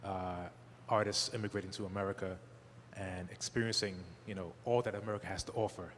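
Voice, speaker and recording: A man from the Caribbean in the audience, asking a halting question full of fillers. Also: low voice, steady tone, a bit bright. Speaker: audience member. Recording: reverberant hall, faint noise.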